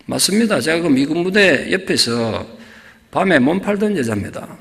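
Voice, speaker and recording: A man's voice: on the high side, animated, normal speed, creaky, a bit bright. A man quoting a scarred, earnest woman. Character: scarred tearful woman telling her past, adult. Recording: long church reverb.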